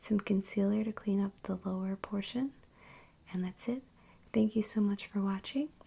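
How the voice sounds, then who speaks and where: The voice has a dark, mellow, gentle tone and is soft-spoken and somewhat breathy. It moves at a moderate pace with long, frequent pauses and fairly even intonation. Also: woman, medium pitch for a woman. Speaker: ASMR makeup tutorial creator. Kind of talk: makeup tutorial voiceover. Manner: soft-spoken, gentle.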